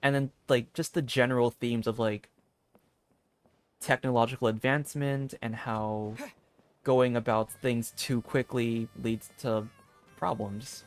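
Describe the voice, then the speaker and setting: A man streams a game with casual, rambling commentary. His voice sits at an average pitch. He thinks aloud haltingly, with soft music playing behind him. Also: steady tone, dry recording.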